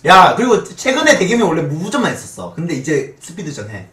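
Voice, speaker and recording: Very animated, higher-pitched young man, echoey room. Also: fast, distant mic. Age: 20s. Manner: animated, swearing banter with laughter. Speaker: streamer hosting a mukbang talk show with a guest. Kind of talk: casual live-stream chat. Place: small indoor streaming room. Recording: roomy echo, off the mic.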